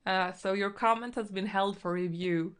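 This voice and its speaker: A young woman streaming while she paints, chatting casually and thinking out loud, with lots of fillers and giggles. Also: mid-range voice, steady tone, moderate pace, smooth. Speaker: artist streaming a painting session. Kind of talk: casual stream-of-consciousness chat. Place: indoors at home. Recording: faint background music.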